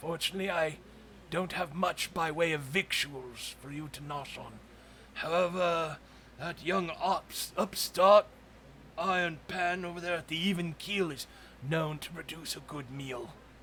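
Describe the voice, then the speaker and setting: Putting on a raspy character voice pitched high, a man talks at a moderate pace with long, frequent pauses against clear background noise. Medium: actual play. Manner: formal, weary.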